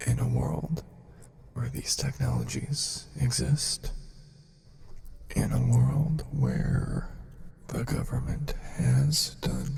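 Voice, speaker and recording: Whispering and soft-spoken, a man talks very slowly with long, frequent pauses over noticeable background noise. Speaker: ASMR creator. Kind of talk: ASMR yapping monologue. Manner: soft-spoken, whispering.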